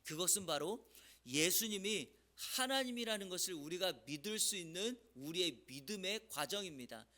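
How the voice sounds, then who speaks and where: Bright high-voiced male pastor preaching. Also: expressive, normal speed. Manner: questions the congregation often, emphatic. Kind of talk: early-morning sermon. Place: church.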